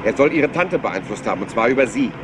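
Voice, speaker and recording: An actor playing a rumpled, polite police inspector in a crime radio play, hesitant and rambling as if scatterbrained. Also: male voice, mid-range voice, lively intonation, fast talker, background noise, lightly acted. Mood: musing, chatty. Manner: hesitant, rambling, courteous, mock-modest.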